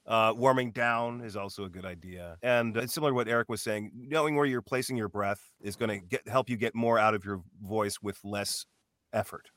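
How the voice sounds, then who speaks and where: A man with a low voice and dry, close sound, giving short, practical tips about the voice. He talks in a calm, supportive way. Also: brisk, dry recording.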